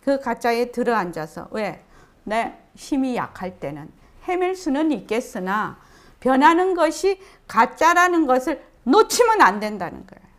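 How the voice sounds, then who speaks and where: A woman's voice: fairly high pitch, big pitch swings, moderate pace. A woman giving a meditation dharma lecture, posing questions to her listeners and answering them herself, repeating key phrases for emphasis. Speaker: Buddhist meditation teacher.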